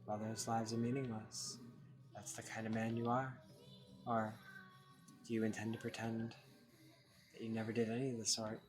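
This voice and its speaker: A man voicing a sly male tempter who taunts a killer in a quiet, low, mocking tone. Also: monotone, moderate pace, pauses often, over music, natural voice.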